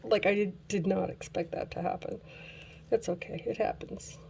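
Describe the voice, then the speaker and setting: A woman hosting a casual craft tutorial who is losing her voice, chatting slowly while she works and laughing at her own mishaps. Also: medium pitch, fairly even intonation, creaky, dark tone, slight background noise. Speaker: craft channel host.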